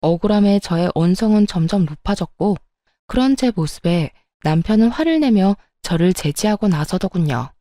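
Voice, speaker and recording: A woman narrating a first-person story in a steady, aggrieved tone. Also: mid-range voice, normal speed, no echo, studio quality.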